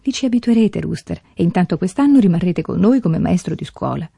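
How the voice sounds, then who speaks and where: Storybook mistress of the house, gentle and persuasive, slightly raised voice, a woman reader doing it. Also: fairly low pitch, expressive, a little fast, vocal fry, slightly rough, dry recording, studio quality, exaggerated voice. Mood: cheerful. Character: kind motherly farm mistress, warm and firm.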